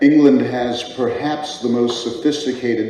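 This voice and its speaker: A man with an American accent talks at a fairly slow pace. Noticeable background noise and audible room echo come through. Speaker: documentary producer. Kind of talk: lecture. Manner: halting, many repetitions.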